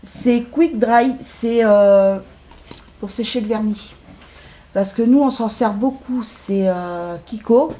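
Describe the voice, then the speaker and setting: A woman's voice: on the high side, slow pace, warm tone. A middle-aged woman chatting casually in a shopping haul video, hesitant with lots of fillers. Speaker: haul vlogger. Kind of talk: casual chat.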